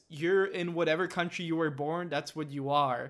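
This man has a Slovak accent and a high pitch. The recording is very clean, with a silent background. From Slovakia. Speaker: podcast host, history YouTuber. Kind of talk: casual interview chat.

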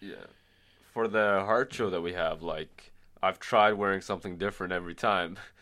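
In a very clean recording with a silent background, a man with a fairly low pitch and a bright, sharp tone talks at a moderate pace with fairly even intonation. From Middle East (Bahrain). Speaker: stand-up comedian and show co-producer. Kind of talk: casual chat. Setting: studio.

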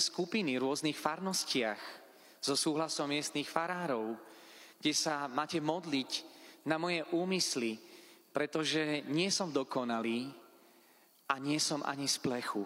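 A man with a fairly high pitch and an unremarkable speaking voice, at a fairly slow pace, with ordinary pitch variation and very even loudness. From Slovakia, Spiš region. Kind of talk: lecture to pilgrims. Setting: church, broadcast on radio.

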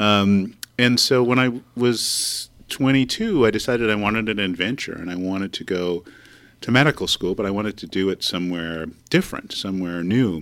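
A man has an ordinary speaking voice at a fairly low pitch, with ordinary pitch variation. The recording is very clean, with a silent background. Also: moderate pace. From Montreal, Canada. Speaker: physician and public health executive. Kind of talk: interview. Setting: health conference.

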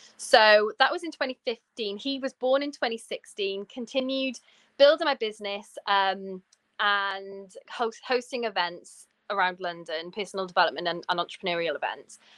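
The speaker has a Welsh accent and lively intonation at a moderate pace. The sound is dry and close with no echo, over a quiet background. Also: woman, medium pitch for a woman. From West Wales. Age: 30s. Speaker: business coach and entrepreneur. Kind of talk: casual interview chat. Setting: video call.

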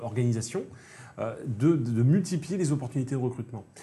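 His intonation is lively and his pitch is medium for a man. The man sounds somewhat breathy. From France, Seine-Saint-Denis (Paris suburbs). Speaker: social entrepreneur, recruitment agency founder. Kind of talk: interview on a live show. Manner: hesitant, with frequent repetitions.

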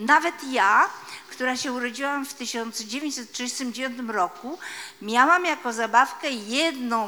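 Speaking very slowly, a woman with a high pitch shows ordinary pitch variation. Her loudness swings a lot, and there's noticeable background noise. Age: 80s+. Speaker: audience member, book contributor. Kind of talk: personal recollection.

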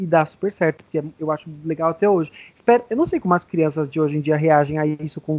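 Speaking at a fairly quick pace, a man uses an ordinary speaking voice, fairly high in pitch, with fairly even intonation. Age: 30s. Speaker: podcast guest. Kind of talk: casual chat.

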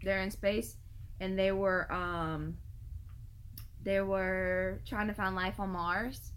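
An American woman with a medium-pitched voice speaks very slowly, with long, frequent pauses. Her intonation is monotone and flat. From US Midwest. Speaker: podcast co-host. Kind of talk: casual chat.

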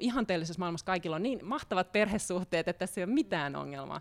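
Very fast and fairly low-pitched, a woman talks with a dry, close sound with no echo. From Finland. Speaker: journalist and author. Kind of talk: interview.

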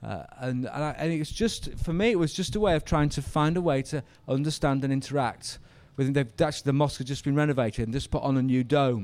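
At a very fast pace, a man with a Yorkshire accent speaks at a fairly high pitch on a very clean recording with a silent background. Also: ordinary pitch variation. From northern England, Yorkshire. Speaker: conference speaker. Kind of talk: lecture. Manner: halting.

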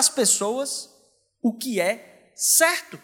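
A man's voice has a bright, sharp tone and lively intonation. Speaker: pastor. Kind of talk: sermon.

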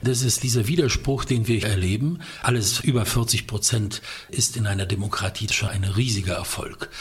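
A man at a medium pitch, moderate pace and ordinary pitch variation, with noticeable background noise. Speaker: radio host. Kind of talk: radio discussion programme. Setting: studio. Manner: formal.

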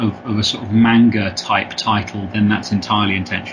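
A man speaks with a fairly low pitch and fairly even intonation. Noticeable background noise runs behind him. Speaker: comics writer. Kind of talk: casual interview. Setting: phone call. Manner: halting, many fillers.

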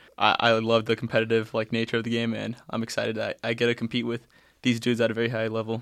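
A man with an American accent rattles along at a very fast pace in a medium pitch, his intonation monotone and flat. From California, Bay Area. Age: young. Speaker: college football player. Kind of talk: casual interview.

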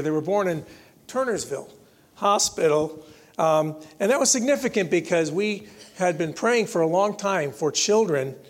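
Against audible room echo, a man with an American accent speaks at a moderate pace with lively intonation. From upstate New York (Rochester). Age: 60s. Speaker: pastor. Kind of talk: sermon. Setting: church.

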